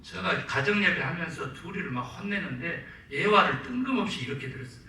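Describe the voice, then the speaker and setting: A man, a Korean pastor, preaching a sermon with animated delivery, acting out quotes and calling for amens. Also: high voice, a little fast. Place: church sanctuary. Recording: very echoey church, mic at a distance.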